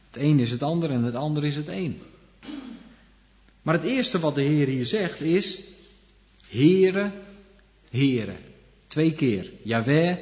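A man's voice: medium pitch, darkish tone. Man, preacher, sermon, scripture explanation, long echo of a big hall, dull lo-fi sound. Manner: explains scripture, leans on frequent "hè" asides.

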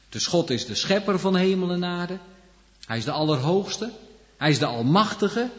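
A man preaching a sermon, walking his listeners through Bible verses and tossing in frequent little asides to check they follow. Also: medium pitch. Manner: explains scripture, leans on frequent "hè" asides. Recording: long hall reverb, dull lo-fi sound.

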